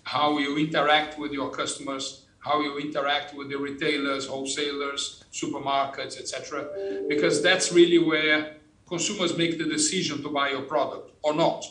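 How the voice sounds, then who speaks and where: Bright-voiced Brazilian man in an echoey room. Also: fairly high pitch, little pitch movement, moderate pace. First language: Portuguese. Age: 50s. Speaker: company executive, interview guest. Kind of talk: interview, recounting career. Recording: roomy, echoing sound.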